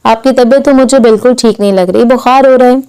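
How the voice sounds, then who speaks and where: Brief: caring young wife, gentle but firm, a woman reads her, smooth mellow tone. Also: fairly high pitch, steady tone, quick pace, close to an everyday voice. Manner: soft, insistent.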